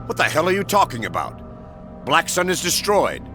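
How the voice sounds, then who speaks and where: An actor playing a stern commanding general in a video game, speaking in a curt, authoritative way. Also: male voice, a little high, huge pitch swings, normal speed, over music. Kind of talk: video game cutscene acting.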